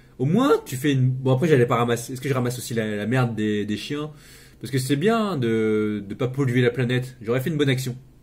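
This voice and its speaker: Somewhat breathy and fairly quick, a man speaks at medium pitch with ordinary pitch variation, and room echo is audible. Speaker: youtuber and literature student. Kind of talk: casual podcast monologue. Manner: stammers at times.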